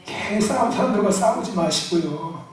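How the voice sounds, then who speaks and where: A male pastor delivers a fiery sermon, his high, lively voice swinging up and down as he shouts calls to the congregation and drops into joking asides. He sounds far from the microphone, and his voice rings around a large, echoey church sanctuary. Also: normal speed, soft background music. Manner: shouting, call-and-response, jokey asides.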